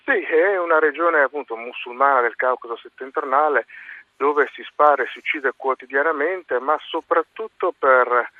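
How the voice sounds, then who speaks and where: A man's voice: medium pitch, dry recording. Male expert on a tinny phone line. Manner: measured, explanatory, pausing mid-phrase. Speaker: university lecturer, expert guest. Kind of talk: live phone interview commentary. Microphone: telephone.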